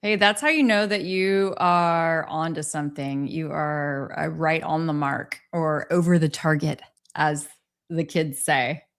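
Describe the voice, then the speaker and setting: Slow-talking woman hosting a livestream. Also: low-pitched, fairly even intonation, clean tone. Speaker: livestream host. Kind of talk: casual livestream chat.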